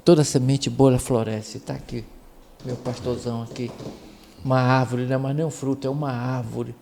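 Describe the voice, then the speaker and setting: A Brazilian pastor with a gravelly voice and a dark, mellow tone. He reflects on scripture with warm enthusiasm, at an ordinary pitch. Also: flat delivery, moderate pace, slight background noise. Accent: Brazilian Portuguese. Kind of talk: devotional podcast chat.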